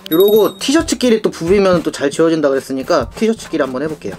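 A young man giving casual, animated hands-on product testing commentary, thinking aloud as a review host. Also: a little high, quick pace, soft background music. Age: young adult. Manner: animated, conversational, thinking aloud while working. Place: small room indoors, seated at a table.

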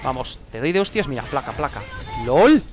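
A young man with a Spain Spanish accent gives excited, slangy gameplay commentary, repeating himself and laughing often at home. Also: medium pitch, fast talker, soft background music. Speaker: gaming youtuber.

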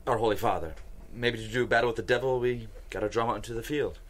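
A man's voice: medium pitch, fast, close to an everyday voice. A man playing a stern, cynical senior Catholic clergyman in a screenplay read. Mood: grave, cynical. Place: small podcast studio.

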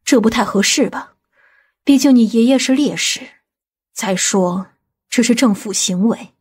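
A woman playing a stern, authoritative aunt in an audiobook, speaking in a firm, measured, commanding manner. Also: a little high, a little mellow, slightly rough. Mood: cool, reserved. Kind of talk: audiobook character acting.

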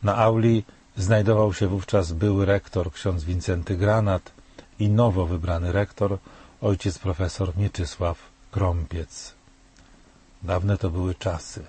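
Grave, measured man with a husky voice. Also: low-pitched, fairly even intonation, mellow. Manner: measured, grave, rhetorical questions. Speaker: commentator. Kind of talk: scripted spoken commentary.

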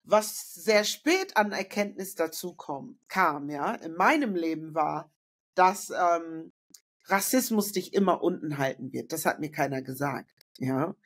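A middle-aged woman from northern Germany speaks as an interview guest, thinking aloud in a loose, reflective way. She often pauses, adds fillers and restarts her sentences. She is heard over a video call from a room indoors. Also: low-pitched, lively intonation. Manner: reflective, frequent fillers and self-corrections. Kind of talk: casual conversational interview.

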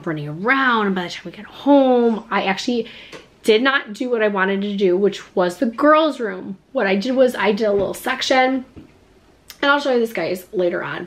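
A woman in her thirties chatting to the camera in her home kitchen, a little stuffed up with a slight cough, full of "like" fillers. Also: mid-range voice. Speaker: vlogger. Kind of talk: casual chat to camera. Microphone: camera at close range.

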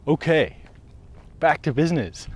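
A wellness vlogger strolls down a residential street, holding the camera at arm's length while he chats casually, swears freely and laughs at himself. His voice is a little high and slightly rough, with big pitch swings and an unhurried pace.

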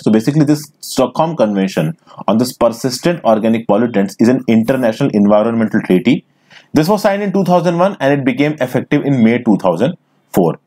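A man's voice: mid-range voice, warm tone. A man with an Indian English accent teaching a recorded lesson, explaining step by step and often calling his listeners friends. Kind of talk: recorded screen lecture.

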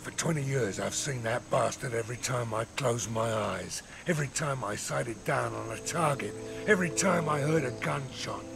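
Man acting as grizzled older mercenary, gravelly creak, bitter, ruthless, video game drama, music behind. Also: mid-range voice, normal speed, few pauses, close to an everyday voice. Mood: vengeful anger. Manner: gruff, profane.

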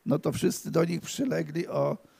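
An older man tells stories to an audience at a library event, wandering from one anecdote to the next and stumbling over his words. His voice is rough and gravelly, with a husky, unpolished edge and a slightly raised pitch for a man. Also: moderate pace, dark tone. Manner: rambling, with many restarts, stammers and asides to the audience. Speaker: guest of honour speaking at his tribute evening.

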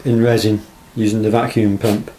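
Male craftsman, understated and halting, casually presenting handmade work on a camera mic with noticeable background noise. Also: lowish voice, little pitch movement, warm tone, rough recording. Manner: hesitant, unscripted, understated. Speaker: knife maker presenting work. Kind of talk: casual workshop show-and-tell. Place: small block-walled workshop.

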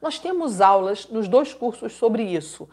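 A woman's voice: fairly high pitch, expressive, measured pace, a little mellow. A woman hosting a live advice stream, emphatic and scolding, with dramatic repetitions and religious exclamations. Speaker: host giving relationship advice. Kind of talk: live-stream advice, reading letters aloud.

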